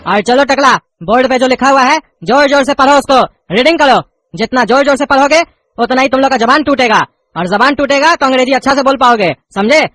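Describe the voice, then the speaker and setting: Brief: performer doing an exasperated, bright-voiced male schoolteacher, flavour, rapid-fire. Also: high-pitched, no echo, faint music behind. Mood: scolding. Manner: scolding, exasperated. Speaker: teacher.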